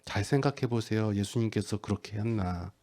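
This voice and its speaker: A middle-aged male pastor giving a conversational sermon, acting out quoted lines and building to loud, emphatic peaks. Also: lowish voice, a little fast.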